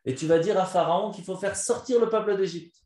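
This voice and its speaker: A man's voice: high-pitched, brisk, darkish tone, pitched above the performer's own voice, close to an everyday voice. Storybook God, male, firm and patient, a man telling the tale puts him on, tenor register, echoey room.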